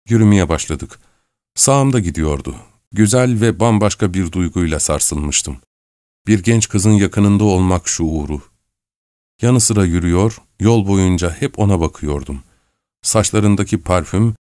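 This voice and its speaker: A man reading a literary audiobook in a measured, introspective way. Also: low voice, a little mellow, dry recording, clean studio sound. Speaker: audiobook narrator. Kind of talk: scripted literary narration.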